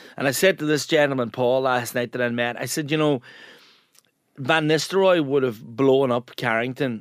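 With an Irish accent, a man speaks at a moderate pace in a medium pitch, with ordinary pitch variation. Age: 40s. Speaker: chef and podcast host. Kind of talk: casual chat.

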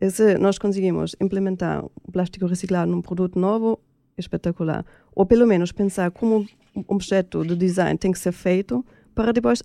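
A woman with a German accent speaks at a fairly quick pace in a medium pitch, her dark, mellow tone carrying ordinary pitch variation over a dry, close sound with no echo. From Germany/Austria. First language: German (speaking Portuguese). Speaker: recycling project organizer, product designer. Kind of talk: radio interview. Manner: halting.

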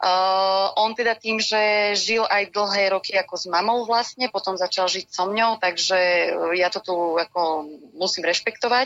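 A woman's medium-pitched voice moves at a fairly slow pace, its intonation staying fairly even. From western Slovakia, Myjava region. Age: 30s. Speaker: radio caller. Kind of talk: call-in advice conversation. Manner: halting.

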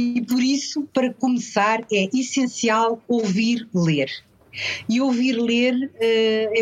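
Her pitch is fairly high and varies in an ordinary way. This woman talks at a very slow pace. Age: 70s. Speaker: children's book author. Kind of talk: radio interview.

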